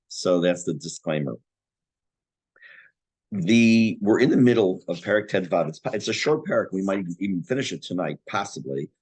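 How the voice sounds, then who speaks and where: An older man teaching a Torah class in a conversational, self-deprecating way, his voice going hoarse and interrupted by throat clearing. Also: low voice, a little mellow. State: losing his voice. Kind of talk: Torah class, explaining text.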